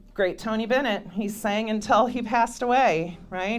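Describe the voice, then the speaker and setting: With audible room echo around her, a woman speaks in a US Midwestern accent. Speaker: choir director and voice teacher. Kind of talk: lecture.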